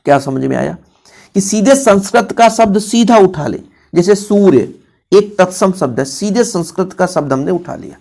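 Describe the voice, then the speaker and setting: A man's voice: sits high, lively intonation, moderate pace, vocal fry, darkish tone. A man teaching an exam-prep grammar lesson to students, explaining by working through examples again and again and hitting key words with extra stress. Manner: explains by repeating examples, calls students "बच्चों".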